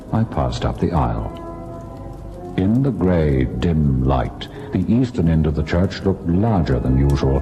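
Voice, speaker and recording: An actor playing a devoted young husband who narrates his ghost encounter in theatrical, literary radio-drama style. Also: sits low. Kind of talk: dramatic old-time radio first-person narration. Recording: noisy old radio drama recording.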